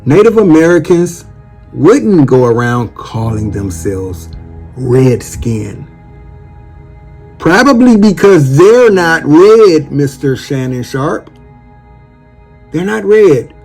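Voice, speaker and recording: A man speaking slowly and pointedly to someone he names, repeating phrases for emphasis. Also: a little high, big pitch swings, a little mellow, slightly rough, soft background music. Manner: slow, deliberate, repeating for emphasis. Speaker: commentator addressing a public figure. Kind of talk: emphatic direct-address commentary.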